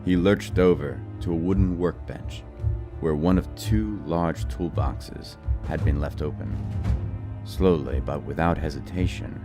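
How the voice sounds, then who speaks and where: A man's voice: extremely low pitch, unhurried. A man narrating a scripted horror audiobook in a dramatized, storytelling style. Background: music.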